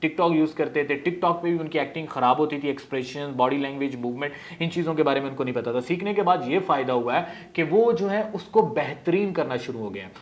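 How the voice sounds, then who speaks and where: A man with a Pakistani Urdu accent and a fairly high voice, talking to camera as an acting teacher. He speaks quickly and informally, slipping English words into his sentences. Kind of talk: casual promotional talk to camera.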